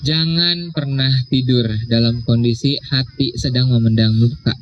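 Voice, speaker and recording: A young man giving a casual religious talk, slowing down to stress key words and checking in with "ya". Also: medium pitch, steady tone. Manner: conversational, drawn-out emphasis, frequent "ya". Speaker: religious speaker. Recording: dull lo-fi sound with faint noise.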